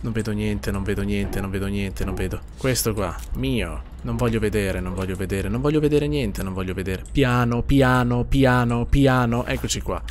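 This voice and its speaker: A man's voice: lowish voice, a little fast, few pauses, darkish tone, a little hiss or hum. A man streaming a horror game, nervously muttering, repeating himself and swearing as he plays. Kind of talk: live gameplay commentary.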